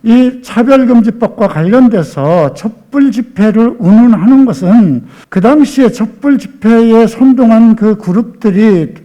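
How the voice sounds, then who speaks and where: A man's voice: sits high, warm tone. Emphatic older man in his seventies. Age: 70s. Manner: earnest, emphatic, with frequent pauses and fillers. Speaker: pastor and debate panelist. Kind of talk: formal debate statement. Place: debate forum room.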